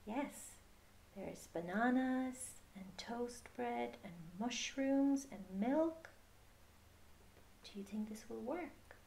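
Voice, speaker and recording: Slow-paced woman reading a children's story. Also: a little high, creaky, slight background noise. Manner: measured, expressive, with pauses. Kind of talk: picture book read-aloud for children.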